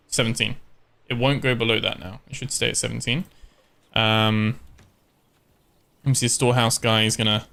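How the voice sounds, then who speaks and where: A man giving relaxed, casual commentary as he streams a strategy game, thinking aloud with frequent ums. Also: mid-range voice. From born in Scotland, raised in Ireland. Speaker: live-streamer.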